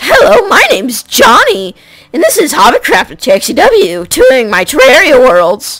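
In a put-on character voice, a female-sounding speaker projects loudly at a high pitch and a fairly slow pace. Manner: weird, comedic.

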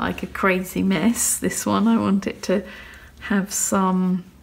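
The speaker is a woman. Her voice is soft-spoken. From British. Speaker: artist. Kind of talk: casual talk to camera while drawing. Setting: quiet room, close microphone. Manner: soft-spoken, relaxed. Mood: relaxed, slightly hesitant.

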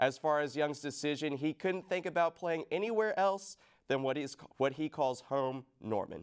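A man with a plain, everyday voice talks at a moderate pace with ordinary pitch variation against a quiet background. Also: fairly high pitch for a man. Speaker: sports reporter. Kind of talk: sports report. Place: studio. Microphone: lapel.

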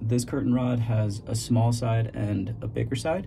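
A man with a fairly low pitch and fairly even intonation. Music plays in the background. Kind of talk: casual vlog tutorial. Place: car. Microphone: phone near.

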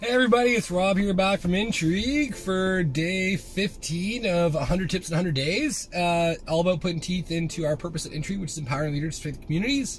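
A man's fairly quick, lively speech with hardly any pauses over light background noise. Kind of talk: casual vlog chat. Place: car. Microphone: phone near.

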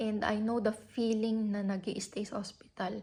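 A woman talks at a fairly slow pace. Her voice is fairly high in pitch and somewhat breathy. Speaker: vlogger. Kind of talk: angry rant. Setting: vlog, talking to camera. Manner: indignant, worked-up, fuming; rambling, Taglish with fillers.

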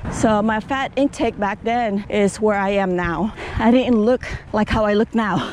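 Over light background noise, a woman with a plain, everyday voice talks at a fairly slow pace, her fairly high pitch showing ordinary pitch variation. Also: dry sound with no echo. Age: 50s. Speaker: vlogger. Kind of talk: casual chat. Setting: outdoors. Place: open country. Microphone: phone near.

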